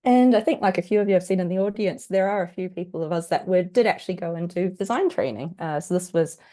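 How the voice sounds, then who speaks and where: A woman from New Zealand with a husky, croaky voice, still getting over an illness, presenting an online workshop in a chatty, self-deprecating way with plenty of fillers. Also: lowish voice, fast, dark tone. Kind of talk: casual online workshop talk. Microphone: video call.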